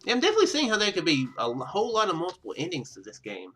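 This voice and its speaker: Bright-voiced man narrating a video game. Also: high-pitched, wildly swooping pitch, very fast, faint music behind. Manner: rambling, thinking out loud. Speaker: gaming video host. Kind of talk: casual let's play commentary, reading game text aloud.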